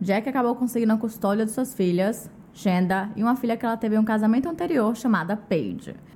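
A woman at a very fast pace, with very even loudness, ordinary pitch variation and noticeable background noise. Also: fairly high pitch for a woman, hardly any pauses. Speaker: true crime podcast host. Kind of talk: scripted narration.

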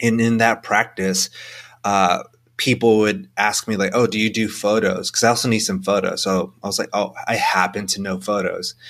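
A man with a plain, everyday voice and an American accent talks at a moderate pace. His fairly low pitch shows ordinary pitch variation on a very clean recording with a silent background. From Southern California. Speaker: video creator and agency founder. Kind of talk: interview. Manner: casual, with filler words.

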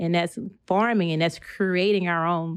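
Over a quiet background, the speaker has an American accent and talks at a moderate pace with ordinary pitch variation. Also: woman. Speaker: dietitian podcast host. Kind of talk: interview. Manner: halting, many fillers.

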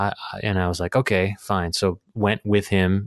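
With an American accent, a man of fairly low pitch speaks in a flat monotone at a moderate pace, the sound dry and close with no echo. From Vermont, US. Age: 30s. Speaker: actor and audio drama writer. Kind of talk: casual interview chat.

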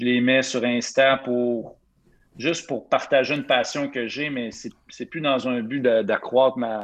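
With a Quebec accent, a man speaks at a very slow pace. His intonation is fairly even, and the background is quiet. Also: medium pitch for a man. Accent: Québécois French. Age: 50s. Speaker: TV host and photographer. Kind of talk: casual chat.

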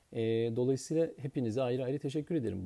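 Somewhat breathy, this man's voice has a dark, mellow tone. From Turkey, Ankara. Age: 40s. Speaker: podcast host. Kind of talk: solo podcast monologue. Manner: hesitant, many filler sounds.

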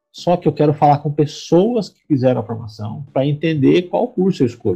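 A man speaks at a moderate pace with lively intonation and a somewhat breathy sound. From Sorocaba, São Paulo state, Brazil. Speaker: HR professional and career coach. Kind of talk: casual interview.

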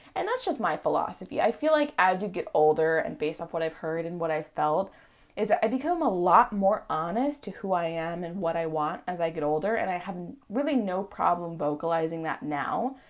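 Speaking at a fairly quick pace in a plain, everyday voice, a woman with a fairly low pitch uses lively intonation. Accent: American. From Houston, Texas. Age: 20s. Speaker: podcast host, college student. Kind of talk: solo monologue podcast. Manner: casual, conversational.

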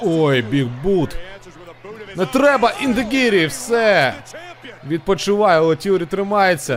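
A man with a high pitch speaks at a very slow pace, leaving long, frequent pauses. His pitch swings very widely while his loudness stays very even, over noticeable background noise. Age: 20s. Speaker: wrestling podcast host. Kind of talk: casual live watch-along commentary. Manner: animated.

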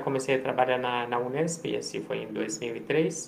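A man speaks with a Persian accent at a moderate pace and with ordinary pitch variation. Noticeable background noise runs underneath. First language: Persian (speaking Portuguese). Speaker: mathematics professor. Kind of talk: interview. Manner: hesitant, frequent fillers.

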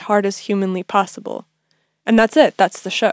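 A woman speaks with fairly even intonation. The sound is dry and close with no echo, a very clean recording with a silent background. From Russian immigrant raised in the US. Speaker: podcast host. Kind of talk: casual interview conversation.

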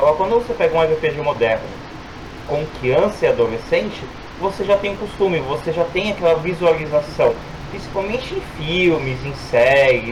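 With noticeable background noise behind him, a man speaks at a moderate pace in a high-pitched voice with lively intonation. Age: 30s. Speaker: security guard and RPG content creator. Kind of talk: casual chat.

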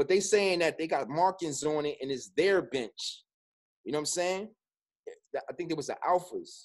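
Speaking with a New York accent, a man uses a high pitch with ordinary variation. He leaves long, frequent pauses. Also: moderate pace. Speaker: peace advocate and author. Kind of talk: interview.

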